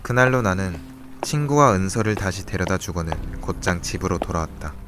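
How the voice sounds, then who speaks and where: A man playing a brooding, secretive young student in a radio drama, measured and introspective as he talks and narrates over music. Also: sits low, expressive, noisy background. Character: brooding, secretive young male student, an observant older classmate. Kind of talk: Korean radio drama dialogue and first-person narration.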